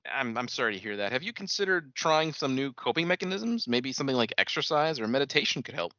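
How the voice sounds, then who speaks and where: A man's voice: medium pitch, very animated, fast talker, bright, forceful tone, no room sound, lo-fi sound. A man reading aloud the scripted part of a compassionate, supportive podcast host.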